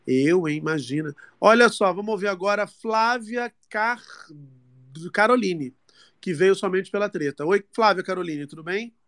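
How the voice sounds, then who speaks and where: A man hosting a live call-in show, bantering playfully and calling his callers sweet names. His voice sits high and bright. The sound is dry, with no room around it. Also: lively intonation, normal speed, no room sound. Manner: playful, teasing and affectionate with callers. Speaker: host of a live audio talk show. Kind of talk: casual live call-in chat.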